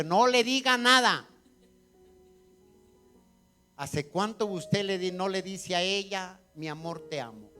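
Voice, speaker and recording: A pastor preaches in a church, his voice high and ringing, with bright, forceful edges. He takes his time, dropping to quiet asides and then rising to emphatic, near-shouted climaxes. Soft instrumental music plays underneath. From Colombia. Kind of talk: sermon.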